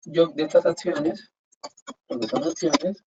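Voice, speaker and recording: A man's voice: a little high, expressive, slow pace, vocal fry. A man teaching an online accounting class, explaining step by step and asking rhetorical questions. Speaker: accounting instructor. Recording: dull distant mic with faint hiss.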